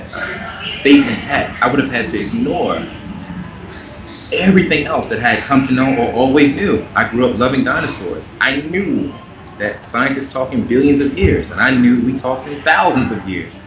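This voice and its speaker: A man's voice: moderate pace, echoey room, distant mic. Earnest guy talking in an interview, muffled noisy audio. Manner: earnest, animated, rising in pitch when making a point. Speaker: interview guest. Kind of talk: candid conversational interview.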